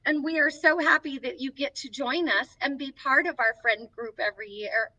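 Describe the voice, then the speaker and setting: High, bright Snow White, played by a woman. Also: moderate pace. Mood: warm, encouraging. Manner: sing-song, simple reassuring talk to young children. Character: Snow White, sweet young princess, gentle and encouraging. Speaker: children's story time host. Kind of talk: children's storytelling, reading a picture book aloud. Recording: distant mic, slightly dull lo-fi sound.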